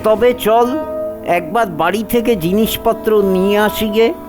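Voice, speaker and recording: An actor playing a dazed, broken old uncle who pleads meekly in an audio story drama. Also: male voice, high-pitched, measured pace. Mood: pleading, wistful. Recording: echoey reverb, clear music behind.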